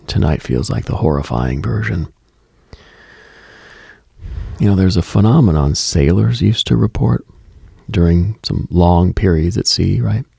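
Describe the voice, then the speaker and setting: A man with a very low, heavily husky voice delivers a contemplative late night radio monologue. He is hushed and brooding, leaving long deliberate pauses. The sound is close and very dry. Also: dry recording. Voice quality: husky, gravelly.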